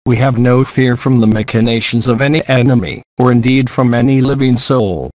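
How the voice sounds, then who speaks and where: Grieving old Brahmana father, man reading, solemn measured archaic speech, audiobook, mid pitch, dry. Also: darkish tone, no room sound, lightly acted, poor audio.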